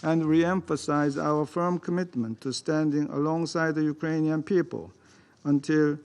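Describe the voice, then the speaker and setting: A man whose first language is Korean, reading a formal prepared statement as a delegate to a security council, in a measured, deliberate way. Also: fairly high pitch, fairly even intonation, a little mellow. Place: council chamber.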